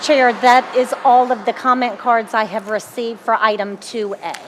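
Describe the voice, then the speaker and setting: Woman, slightly high pitch, formal procedural announcements, faint background noise. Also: steady tone, moderate pace, a bit bright. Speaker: meeting clerk.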